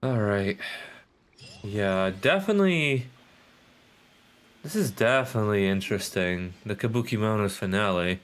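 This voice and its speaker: A man's voice: on the low side, expressive, moderate pace, long pauses. A man doing casual live game commentary, rambling and sweary, sometimes reading on-screen text aloud. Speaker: game streamer.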